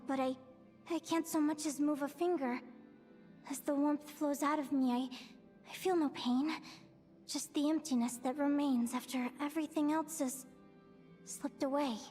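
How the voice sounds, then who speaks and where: A woman voicing an earnest young naturalist in a video game, speaking in a halting, reflective way. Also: sits high, darkish tone. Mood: fading. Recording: game audio with faint music.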